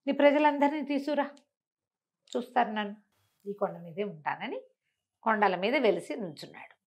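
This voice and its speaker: A woman storyteller voicing a calm, benevolent male god from a folk tale, gentle and fatherly. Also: fairly high pitch, moderate pace. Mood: calm, granting.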